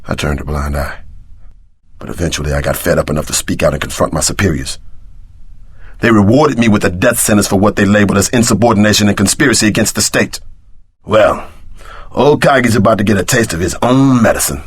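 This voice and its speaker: An actor voicing a tough, brash ex-security chief with streetwise swagger and a gruff voice in a video game. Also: male voice, fairly low pitch, brisk, pauses often, dry recording. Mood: grim, vengeful.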